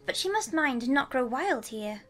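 Woman voicing a high, bright, fussy lady. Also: sing-song, moderate pace, soft background music, full character voice. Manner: fussing, commanding. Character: fussy, genteel young wife, bossy lady. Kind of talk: dramatized audiobook character reading.

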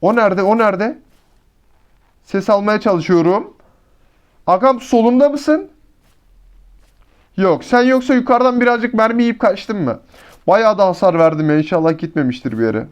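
High-voiced excitable male gameplay commentator. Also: normal speed, pauses often, lo-fi sound. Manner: excitable, slangy, chatty with teammates and viewers. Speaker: mobile shooter gameplay YouTuber.

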